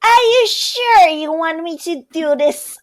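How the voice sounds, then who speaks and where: A woman's voice: extremely high pitch, lively intonation, slow pace, noisy background. A woman on a podcast chatting casually in a playful, exclamatory way. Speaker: podcast host and reader. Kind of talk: casual group chat.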